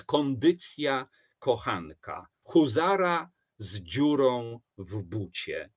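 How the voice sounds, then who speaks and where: A man giving a measured, explanatory literature lecture. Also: mid-range voice. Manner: measured, explanatory, with expressive rises and falls. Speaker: teacher.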